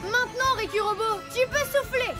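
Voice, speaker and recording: Very high-pitched little alien boy hero. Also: normal speed. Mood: focused, urgent. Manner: emphatic, earnest, proclaims slogans. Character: brave little alien boy hero, eager patrol leader. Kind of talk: animated children's cartoon dub. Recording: music behind the voice.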